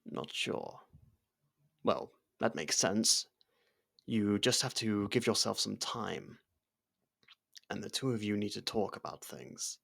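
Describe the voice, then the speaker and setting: A man playing a loyal servant and close friend to royalty in an ASMR roleplay, hesitant, deferential and familiar, gently teasing. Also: on the low side, slow, creaky, pauses often, heavily acted. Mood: supportive, hesitant. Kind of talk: ASMR roleplay audio drama.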